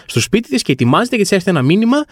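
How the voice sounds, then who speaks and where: A man's voice: sits high, big pitch swings, no echo, studio quality. A man hosting a comic podcast, rambling through a wry, self-mocking monologue. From Greece. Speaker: podcast host.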